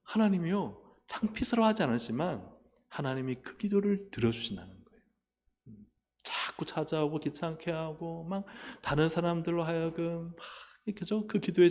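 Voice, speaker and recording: Guy pastor preaching, keeps asking the church for an amen, big hall echo. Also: fairly high pitch. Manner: lively preaching with calls of amen to the congregation; acts out quoted voices and asks the listeners questions. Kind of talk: sermon. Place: church sanctuary. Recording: long church hall reverb.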